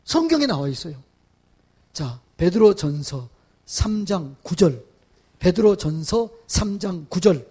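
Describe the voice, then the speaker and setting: A male pastor preaching at a revival meeting. He questions the congregation and builds to loud exhortations. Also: sits high, very animated, a little slow, husky. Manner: acts out quoted voices in dramatic asides. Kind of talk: revival sermon.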